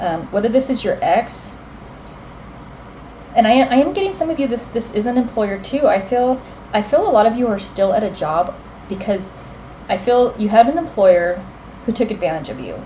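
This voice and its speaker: A woman with a fairly high pitch and lively intonation speaks at a moderate pace, with long, frequent pauses and noticeable background noise. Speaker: tarot reader. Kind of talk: tarot reading monologue. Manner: hesitant, many fillers.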